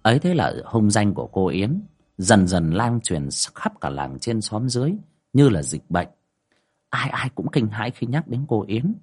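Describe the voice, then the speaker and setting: A man narrating a ghost story in a hushed, dramatic way. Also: on the low side, sing-song, moderate pace, breathy edge.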